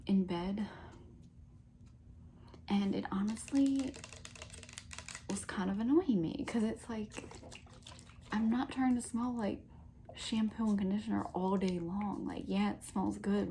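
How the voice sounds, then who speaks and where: A young woman talks softly and slowly in a casual ASMR ramble, full of fillers and little giggles. Her voice is mellow and warm rather than bright. Faint tapping and hiss sit behind her. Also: mid-range voice, steady tone. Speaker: ASMR creator. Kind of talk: soft-spoken ASMR chat with tapping.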